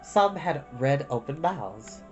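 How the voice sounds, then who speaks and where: A woman narrates a storybook in a low voice with lively, expressive intonation. Faint music plays behind her reading. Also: slow, muffled recording. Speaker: storytime reader.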